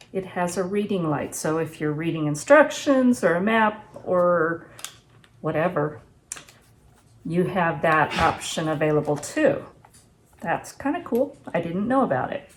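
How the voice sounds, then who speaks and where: A woman's voice: lowish voice, lively intonation, a little slow, slight background noise. A woman in her sixties talking casually and unscripted to camera in a home kitchen, plain-spoken and reflective, like a vlogger giving practical advice. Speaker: homesteading vlogger reviewing gear and giving advice.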